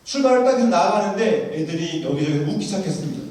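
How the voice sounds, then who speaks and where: A man's voice: high-pitched, animated, quick pace, darkish tone. A man preaching a sermon, telling a story vividly and acting out the lines of the people in it. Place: large church sanctuary. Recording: echoey church hall, voice from far off.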